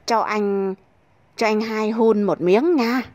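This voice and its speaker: A woman's voice: mid-range voice, takes it slowly, darkish tone, close to an everyday voice. Woman doing a crude, pushy brother-in-law. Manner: bossy, coarse.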